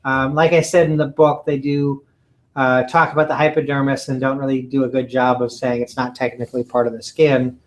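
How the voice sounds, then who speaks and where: A man giving a recorded lecture from slides, halting often with ums and uhs and clearing his throat. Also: medium pitch, level tone, low-quality recording. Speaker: college lecturer.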